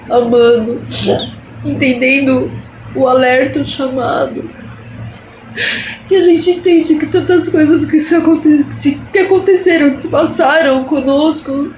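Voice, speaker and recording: A woman's voice: sits high, darkish tone. A woman speaking in a tearful, emotional devotional vlog, laughing through tears and repeating her phrases. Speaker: artist sharing her faith. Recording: roomy echo with faint background noise.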